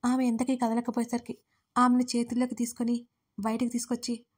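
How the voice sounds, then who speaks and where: A woman narrates a romantic audio story in a steady, dramatic reading. Her voice sits on the high side. Her melody stays notably flat and even. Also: brisk, slightly rough.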